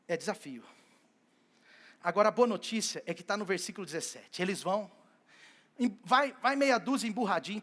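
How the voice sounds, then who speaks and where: High-voiced, animated male preacher. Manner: animated storytelling that acts out biblical scenes. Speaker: pastor. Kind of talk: sermon. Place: church service.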